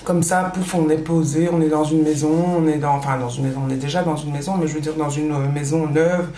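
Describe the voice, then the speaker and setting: Low and warm, this woman's voice moves fairly quickly with fairly even intonation, in a reverberant space carrying a little hiss or hum. She is a pregnant Belgian vlogger in her thirties, a native Dutch speaker with a Belgian French accent, chatting casually while doing her makeup, full of fillers and restarts.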